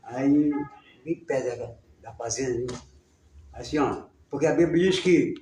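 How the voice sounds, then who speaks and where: A man's voice: mid-range voice, warm tone, a little hiss or hum. Male class teacher, casual storyteller, heard from a distant mic. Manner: casual, halting, many repetitions. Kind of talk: storytelling in a church lesson. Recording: roomy sound, distant mic.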